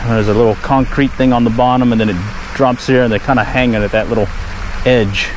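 Outdoors at a park pond, a man narrates his fishing session for his vlog, easygoing and talkative at a middling pitch, with pleased exclamations whenever he lands a fish. He talks briskly; the audio from his head-mounted action camera is poor, with steady background noise.

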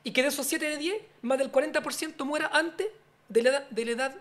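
A middle-aged man, born in Chile and raised in France, speaking as a politician guest in a studio interview, earnest and explanatory with many fillers and restarts, into a boom-mounted studio mic. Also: fast talker, fairly bright tone. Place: small TV-radio studio. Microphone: studio mic on boom arm.

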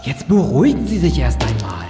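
Horror audio drama: sensible, sceptical woman investigator, very animated, in a reverberant hall over loud music. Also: very deep voice, fairly quick, heavily acted. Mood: urgent. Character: sceptical female investigator, sober, growing frantic and indignant. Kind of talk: German horror radio play acting.

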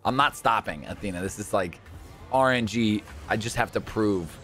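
A young man hosting a gaming video, talking at a home desk mic in excited banter, laughing often and shouting when thrilled. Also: lowish voice, moderate pace, faint music behind. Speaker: gaming channel host. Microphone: webcam and desk mic.

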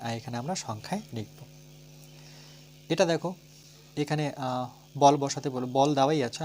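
A man with a Bengali accent teaching a primary-school math lesson. He asks questions and answers them himself, counts slowly aloud and spells words out letter by letter. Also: mid-range voice, darkish tone, a little hiss or hum. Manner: talks through steps, asking and answering his own questions.

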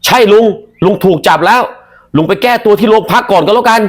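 A man's voice: high-pitched, quick pace, pitched above the performer's own voice. A man doing a stern male police officer in a told story, firm and scolding. His voice is raised somewhat above the storyteller's own.

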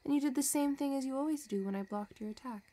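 Woman acting a mellow, possessive villainess. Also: high-pitched, quick pace, lightly acted. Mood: teasing, sly. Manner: teasing, soft, calculating. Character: possessive, scheming female villain obsessed with her crush. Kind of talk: romantic audio roleplay acting.

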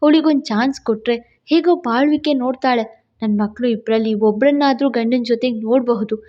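A woman's voice: on the high side, fairly quick, highs cut off, voice pushed down, lightly acted. A woman voicing a worried, tearful older mother in a storybook drama, speaking in a pleading, sorrowful way.

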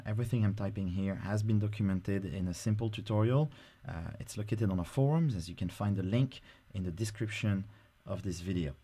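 Brief: male presenter, low mellow voice, relaxed screen-recording tutorial delivery with filler words. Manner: casual, explanatory, frequent "uh" fillers.

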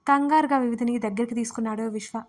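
A woman narrating an emotional romance audio story in a steady, gentle storytelling manner. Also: on the high side, fast.

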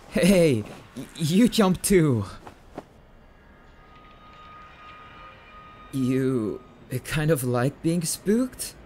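A man's voice: a little high, big pitch swings, drawn-out words, warm tone, slight background noise, heavily acted. A man playing a grumpy, affectionate, easily spooked young catboy boyfriend in an ASMR roleplay, defensive and prone to stammering. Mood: spooked, clingy.

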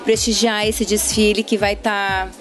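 A woman's voice: medium pitch, flat delivery, unhurried. A young woman with a Brazilian Portuguese accent, a shop owner, promoting her stand into a handheld mic indoors, with hesitant fillers. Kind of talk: interview answer. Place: indoor children's clothing stand. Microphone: handheld microphone. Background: music.

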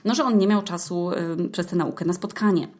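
Female podcast host, young adult, slightly low register. Informal monologue storytelling, slang-heavy, halting with hesitations. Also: darkish tone. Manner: slangy, swearing, hesitant with filler sounds.

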